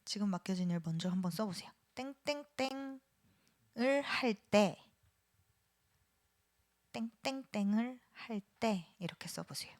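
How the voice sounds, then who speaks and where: Animated woman lecturing a church class. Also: medium pitch, unhurried, pauses often. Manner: animated, asks the class questions, drops to a whisper at times. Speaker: seminary lecturer.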